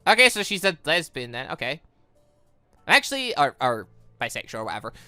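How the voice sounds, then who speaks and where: A gaming YouTuber with a very animated, swooping delivery gives rambling playthrough commentary, thinking aloud. The voice is bright and sits close and dry, with game music playing softly behind it. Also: mid-range voice, a little fast, dry recording. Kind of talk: playthrough commentary, reading visual novel dialogue aloud.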